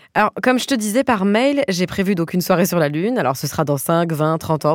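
A woman with a plain, everyday voice speaks at a fairly quick pace in a fairly low pitch, her intonation lively. The recording is very clean, with a silent background. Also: hardly any pauses. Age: 30s. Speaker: comedian and podcast host. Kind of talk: scripted narration.

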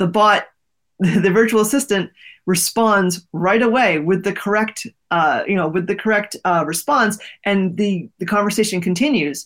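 An ordinary speaking voice with an American accent moves at a moderate pace. Its loudness is very even, and its pitch variation is ordinary. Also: woman, medium pitch for a woman. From Boston area, US. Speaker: product director at a conversational AI company. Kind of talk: interview. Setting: remote call.

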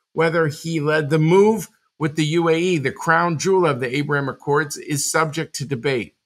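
This man has an unremarkable speaking voice. He talks at a moderate pace with ordinary pitch variation. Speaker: podcast host. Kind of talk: podcast discussion, scripted intro then interview.

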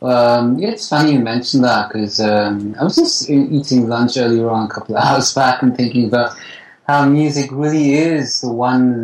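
A man's medium-pitched voice with fairly even intonation, noticeable background noise behind it. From India and Europe (mixed upbringing). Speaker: singer-songwriter. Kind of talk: casual interview. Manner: halting.

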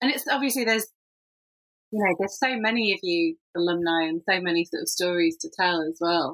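A woman of medium pitch talks at a fairly quick pace with very wide pitch swings, in a dry, close sound with no echo. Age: 40s. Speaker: book author. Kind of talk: casual chat. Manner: halting.

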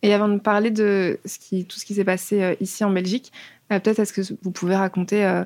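A woman speaks at a medium pitch and a fairly quick pace in a monotone, flat intonation, with a dry, close sound and no echo. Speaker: podcast host. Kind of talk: interview, casual. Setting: studio.

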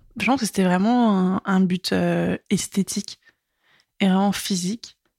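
On a very clean recording with a silent background and a dry, close sound with no echo, a woman speaks at a medium pitch and a fairly slow pace with ordinary pitch variation. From France, partly Lyon. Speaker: patient sharing experience. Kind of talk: testimony. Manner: casual, hesitant with fillers.

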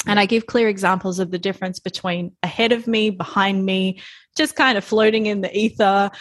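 With an Australian accent, a woman talks at a fairly quick pace and medium pitch, with ordinary pitch variation against a quiet background. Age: 30s. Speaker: memoir author, abuse survivor. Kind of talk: interview, personal testimony. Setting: remote recording.

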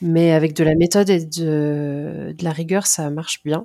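Speaking at a fairly slow pace, a woman has a fairly low voice. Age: 30s. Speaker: interior architect. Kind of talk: interview. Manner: halting, many fillers.

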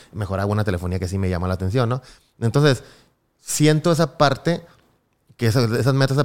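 A man talks at a medium pitch in a normal speaking voice, his intonation lively. The recording is very clean, with a silent background. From Tijuana, Mexico. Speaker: social media page creator. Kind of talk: casual chat.

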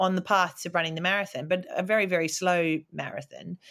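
Speaking with an Australian accent, the woman keeps her voice at a medium pitch. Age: 40s. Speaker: comedian. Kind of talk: casual chat.

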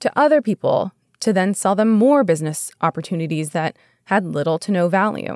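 A woman speaks in a normal speaking voice at a medium pitch and moderate pace with ordinary pitch variation, in a very clean recording with a silent background and a dry, close sound with no echo. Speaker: attorney podcast co-host. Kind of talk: legal explainer podcast.

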